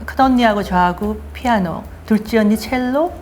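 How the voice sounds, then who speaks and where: An older woman hosting her own show, telling her life story in a lively, self-mocking way. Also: on the high side, moderate pace, faint music behind. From Daegu, South Korea. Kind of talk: casual storytelling chat.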